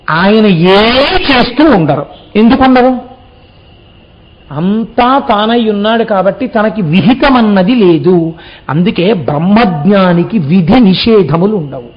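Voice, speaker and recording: High-voiced man giving a sermon. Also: lo-fi sound. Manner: explanatory, asks rhetorical questions. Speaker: religious discourse speaker. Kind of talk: devotional sermon storytelling.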